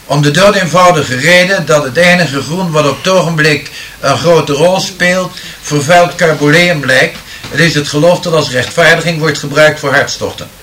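A man speaking in a measured, deliberate way to an audience, answering their questions and then reciting improvised rhyming verse, with occasional hesitant fillers. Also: fairly high pitch, bright, forceful tone, slight background noise.

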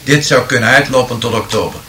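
Speaking with a bright, forceful, mid-range voice over a little hiss or hum, this man takes questions from an audience before reciting rhyming verse he improvises. His delivery is deliberate and measured, with an occasional hesitant filler.

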